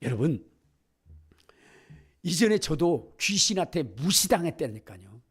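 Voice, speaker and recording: A middle-aged man preaching a sermon as pastor, telling stories with acted-out voices and rising to loud exclamations. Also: on the high side, measured pace, husky. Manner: animated storytelling, acting out voices, builds to shouts.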